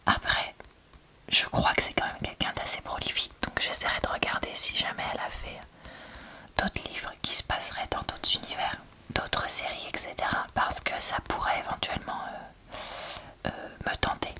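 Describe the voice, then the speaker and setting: A woman speaking in a soft, breathy library whisper, chatting casually and hesitantly in an ASMR book review. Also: normal speed. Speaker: book reviewer, host of a reading channel.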